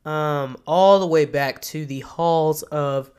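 Woman, 30s, podcast host with a cold: nasal and congested, smooth and clear, chatty and excited. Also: deep voice, slow pace. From Kentucky, US. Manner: enthusiastic, chatty, self-correcting. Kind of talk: solo podcast monologue.

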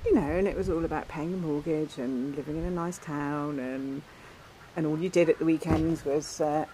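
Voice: mid-range voice, fairly even intonation, moderate pace, mellow, slight background noise, rough recording. A middle-aged person being interviewed outdoors in a village, speaking casually and hesitantly with many ums and restarts and light laughter.

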